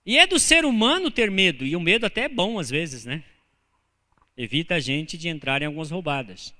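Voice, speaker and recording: A man with a Brazilian Portuguese accent preaching a sermon as pastor, telling humorous personal stories with animated delivery. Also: fairly high pitch, brisk. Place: church sanctuary. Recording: church hall reverb.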